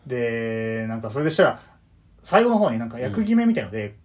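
Man, twenties, casual storytelling, quick pace, lively pitch, many fillers. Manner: rambling anecdote with many fillers.

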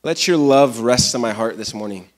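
American pastor, halting Portuguese, hall echo. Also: male voice, medium pitch. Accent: American English. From United States. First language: English. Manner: halting learner's Portuguese, jokey asides. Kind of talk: sermon with live interpreter. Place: church hall.

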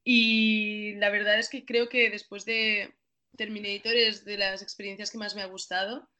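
A woman's voice: medium pitch, flat delivery, normal speed, sharp tone. A woman in her twenties from Catalonia with a Spanish-from-Spain accent, chatting as an actress guest in an interview, apologetic and self-deprecating. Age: 20s. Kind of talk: casual interview.

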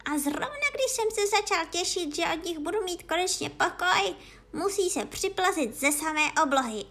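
A woman voicing a suspicious, complaining male pigeon in a storybook reading, with a lowered, gruff, scolding voice. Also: expressive, fairly bright tone. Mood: grumbling.

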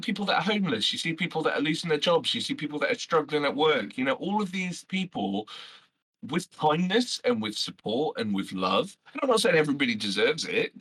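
Man, loud brash voice, bright and forceful, husky edge, podcast guest. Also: on the high side, low-quality recording. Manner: animated, swears freely, many fillers. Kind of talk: passionate casual chat.

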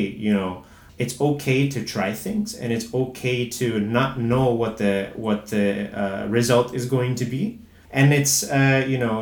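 A man talking as a podcast guest, halting and full of fillers and restarts, now and then switching into Indonesian. His voice sits in a middle register. The room around him adds a noticeable echo. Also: medium pitch. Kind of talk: casual conversation.

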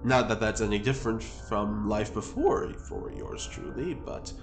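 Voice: medium pitch, unhurried, reverberant, music in the background, close to an everyday voice. An actor playing a dapper, boastful prisoner in an audio drama, with flowery, theatrical phrasing. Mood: teasing, grand.

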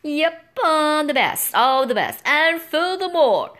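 A woman's voice: high-pitched, lively intonation, slow pace, a bit bright, voice pushed up, full character voice. Woman doing a pompous bragging knight. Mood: boastful. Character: boastful male knight, vain and brave.

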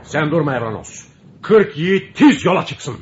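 A man's voice: on the high side, very animated, moderate pace. An actor playing a stern Ottoman sultan who gives imperious orders. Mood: commanding. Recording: muffled audio with background noise.

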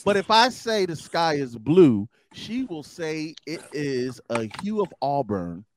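A man's voice: a little high, very animated, takes it slowly, a loud crowd. A man hosting a casual, profane panel show, with brash teasing and grandiose introductions. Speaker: show host.

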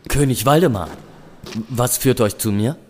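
An actor playing a measured medieval archbishop in an audio drama, a calm and deferential royal counsellor. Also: male voice, medium pitch, slight background noise, natural voice. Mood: reverent. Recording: long churchlike reverb.

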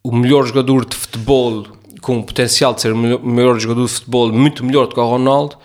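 A man in a casual chat, agreeable and quick to affirm. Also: mid-range voice, fairly even intonation.

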